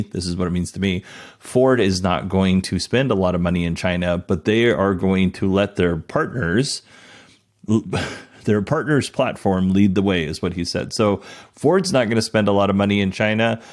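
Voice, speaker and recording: A man hosting a show, giving casual commentary and explaining things in plain, informal paraphrase. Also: low voice. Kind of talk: casual commentary on an earnings call.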